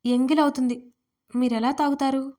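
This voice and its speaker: A woman voicing a timid, innocent young wife who speaks softly and hesitantly. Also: fairly high pitch, steady tone, moderate pace, lightly acted. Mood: tearful.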